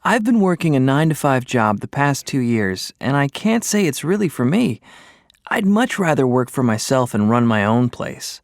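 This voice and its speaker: A man's voice: medium pitch, sing-song, moderate pace, dry recording, clean studio sound. A man playing a young office worker who talks casually and upbeat about his plans.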